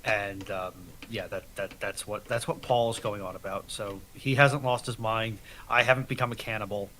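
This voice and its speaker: A man's voice: fairly low pitch, fairly even intonation, moderate pace, pushed and bright. A man chatting casually and informally as a panellist on a live show. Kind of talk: casual chat. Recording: noisy home mic with clicks.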